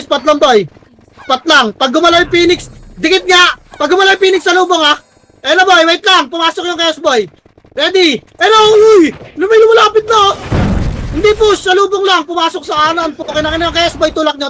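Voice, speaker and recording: A very high-pitched woman calls the shots for her team in the middle of a live game. Her voice is bright and piercing. She fires off quick orders, swears at her teammates nonstop, and often breaks into exasperated shouting. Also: a little hiss or hum, poor audio. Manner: barks rapid commands and swears constantly at teammates. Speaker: team commander in an online strategy game. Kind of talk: live gameplay shot-calling.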